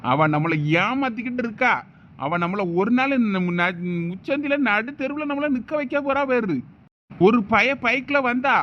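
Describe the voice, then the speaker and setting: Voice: high-pitched, muffled recording, slight background noise. A performer voicing a stern, angry village father in a cartoon, with a Thoothukudi Tamil accent and a threatening manner. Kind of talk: cartoon voice acting.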